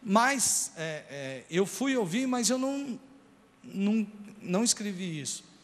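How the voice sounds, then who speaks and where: A man's voice: high-pitched, big pitch swings, slow, long reverb tail. A man with a Brazilian Portuguese accent preaching a sermon, telling a personal story earnestly and speaking straight to the congregation. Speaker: pastor.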